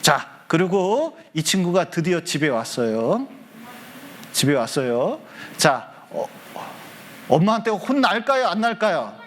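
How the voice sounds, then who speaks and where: A man's voice: high-pitched, a little slow, slight background noise. A male pastor telling a story to children at church, often stopping to ask them questions. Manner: lively, asks the children questions. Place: church hall.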